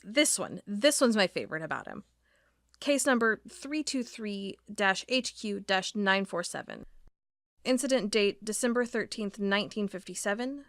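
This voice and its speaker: A determined federal agent. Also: female voice, medium pitch, fairly bright tone. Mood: intent. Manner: earnest, intent, reads formally. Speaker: investigating agent. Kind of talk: audio drama monologue reading a report. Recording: music bed under voice.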